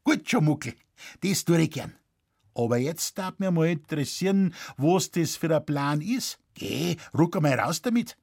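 A man's voice: a little high, expressive, normal speed, vocal fry, darkish tone, pitched above the performer's own voice. Man playing a hearty Bavarian blacksmith. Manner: hearty, broad dialect. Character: hearty Bavarian village blacksmith, sly and jovial.

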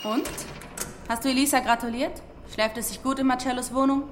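A blunt, sharp-tongued young woman, played by an actress in a dubbed series. Her voice sits a little high. She is cutting and provocative and quick to flare up. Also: fairly even intonation, background noise, close to an everyday voice. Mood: mocking.

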